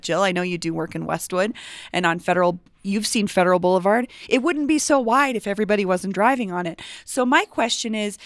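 A woman's voice: mid-range voice, no echo, clean studio sound. A woman host from Denver asking curious questions in a conversational interview. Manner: curious, inquisitive.

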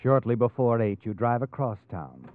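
An actor playing a sly, taunting all-knowing narrator in a 1940s radio mystery, addressing the character as you. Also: male voice, mid-range voice, sing-song, normal speed, a little hiss or hum, close to an everyday voice. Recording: tinny old radio recording, music behind.

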